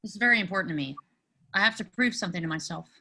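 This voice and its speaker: A woman's voice: fairly low pitch, racing, pushed and bright, slight background noise. A woman reading the part of an earnest, anxious teenage boy in an amateur table read of a film script. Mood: anxious, determined.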